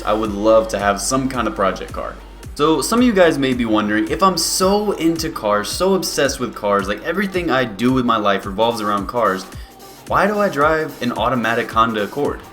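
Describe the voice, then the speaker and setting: A man of about twenty, a YouTuber answering viewer questions in a relaxed, rambling way with many fillers. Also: mid-range voice. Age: 20s. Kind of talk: casual Q&A vlog.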